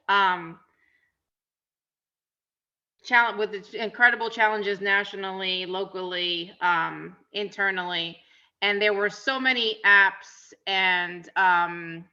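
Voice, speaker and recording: A woman co-trainer speaking in an online training session, halting and hesitant with many repeats and "um"s. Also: mid-range voice, pushed and bright, lo-fi sound.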